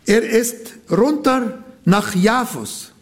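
Guy preaching, earnest, says things twice, kinda high voice. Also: very slow. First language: Arabic. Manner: earnest, repeats key phrases, non-native grammar. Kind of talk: sermon.

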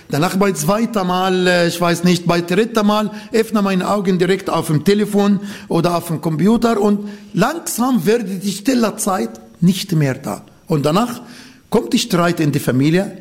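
Guy preaching, earnest, says things twice, kinda high voice. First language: Arabic. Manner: earnest, repeats key phrases, non-native grammar. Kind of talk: sermon.

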